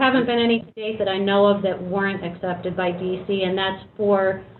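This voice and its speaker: Flat, monotone delivery at a fairly quick pace, with audible room echo. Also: woman. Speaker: city recycling staff member. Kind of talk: budget presentation at council meeting. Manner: fast.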